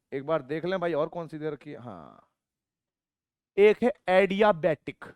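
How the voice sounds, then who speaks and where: A man teaching a physics lecture for exam students, playfully asking questions and answering them himself, dictating definitions slowly and swinging between loud calls and soft asides. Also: high voice, clear, resonant tone, no echo, studio quality.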